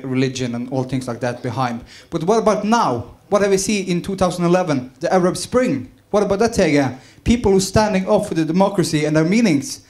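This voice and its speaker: A man speaks up from the audience of a public debate. His voice is high. He fires off short, challenging questions. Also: a little mellow. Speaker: audience member.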